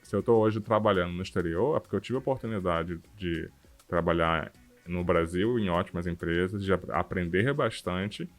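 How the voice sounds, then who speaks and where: A man's voice: sits low, normal speed, soft background music. A man with a Brazilian Portuguese accent co-hosting a podcast, talking informally and with animation. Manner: informal, animated, frequent "cara" and "sabe". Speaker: podcast co-host. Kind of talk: casual chat. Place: works abroad.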